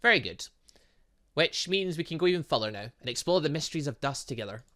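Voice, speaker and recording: Eccentric female science professor, acted by a man, video game, teasing, flowery formal wording, bright tone. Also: on the high side, expressive, fast talker. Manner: flowery, formal phrasing full of odd metaphors.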